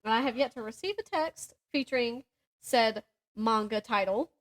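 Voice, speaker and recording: On the high side and at a moderate pace, a woman co-hosting a book podcast chats in relaxed banter. She spins stories in an informal, slangy way and acts out what people said with animation.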